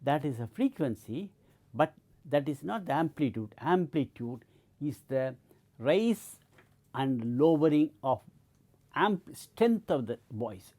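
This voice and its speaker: A man's voice: mid-range voice, sing-song, slow, a little mellow. A middle-aged man giving an explanatory lecture, often repeating and restarting his points. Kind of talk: educational lecture.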